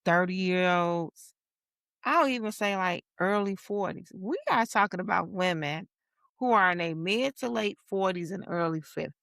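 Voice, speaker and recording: A woman's voice: on the low side, moderate pace, gravelly, a bit bright, dry recording, studio quality. A woman in her late forties co-hosting a casual chat show, talking bluntly and animatedly, acting out the people she quotes. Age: 40s. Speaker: podcast co-host.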